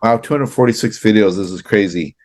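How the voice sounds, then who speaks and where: A man's voice: fairly low pitch, brisk, a little mellow. A man from Canada co-hosting a casual business chat, talking loosely with fillers and restarts. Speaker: co-host.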